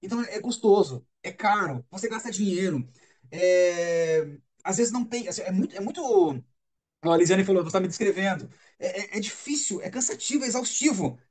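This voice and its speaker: Earnest man with a high voice. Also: animated, brisk. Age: adult father. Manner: earnest, emphatic, repeats for stress. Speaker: speaker on autism parenting. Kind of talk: live stream talk. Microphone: webcam or phone on a live stream.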